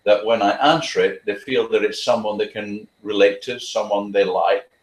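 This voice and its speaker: A man giving earnest advice as a dog trainer in an interview, talking quickly with frequent restarts. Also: lowish voice, little pitch movement, echoey room, poor audio.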